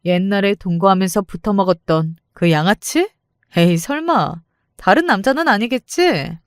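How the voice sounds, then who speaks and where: A menacing, mocking big sister played by a woman narrator from an audio story. She taunts and threatens brashly at a middle pitch, in a very dry recording. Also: animated, moderate pace, clean tone, no echo, natural voice.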